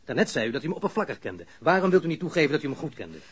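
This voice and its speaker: An actor playing a stern, sarcastic police interrogator in an audio crime drama, probing formally and relentlessly. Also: male voice, on the high side, very animated, racing, husky, heavily acted. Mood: cool, probing.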